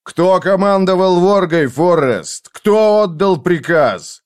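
A man voicing a brutal vengeful man who interrogates in a harsh, slow, menacing way. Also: high-pitched, animated, clean tone, pitched above the performer's own voice.

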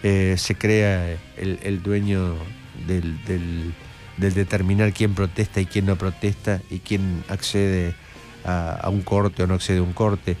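A man's voice: low-pitched, little pitch movement, takes it slowly, darkish tone, soft background music. A middle-aged man with an Argentine accent giving indignant, opinionated political commentary as a radio host at a studio microphone. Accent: Argentine Spanish.

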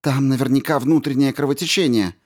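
A man voicing a brisk female mission doctor who gives urgent orders. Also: medium pitch, voice pushed up, natural voice.

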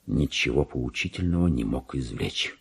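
Raspy creaky mad little clerk, pompous n obsessive, voice lurching all over, radio play. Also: male voice, lively intonation, moderate pace, exaggerated voice. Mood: brooding, troubled. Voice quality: husky, creaky. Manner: agitated, pompous, swinging from hushed musing to shrill indignation. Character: deluded petty Russian government clerk, pompous, obsessive, slipping into madness. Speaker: actor in a literary monologue. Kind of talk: theatrical radio monologue, diary read aloud.

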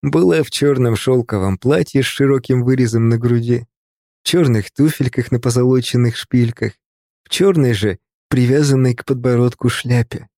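A man reading a novel aloud as an audiobook narrator, calm and measured. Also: medium pitch, no echo, studio quality.

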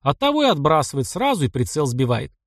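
A man reading the lines of a cocky, sharp-tongued young male taiga hunter in an audiobook. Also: on the high side, big pitch swings, fast, no echo, clean studio sound. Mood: explaining. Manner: cocky, sarcastic retorts.

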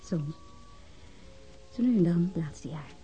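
A detective's tender confidante, dark mellow timbre, soft and gently teasing, radio play. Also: female voice, fairly low pitch, expressive, takes it slowly, husky, soft background music, full character voice. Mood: teasing, intimate. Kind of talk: intimate radio drama acting.

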